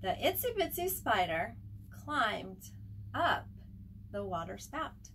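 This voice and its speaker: Slow, high-pitched woman reading a children's storybook. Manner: expressive, simple delivery for young children. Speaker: preschool teacher reading a picture book aloud. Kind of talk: children's storybook read-aloud. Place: at home. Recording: home recording with faint background noise.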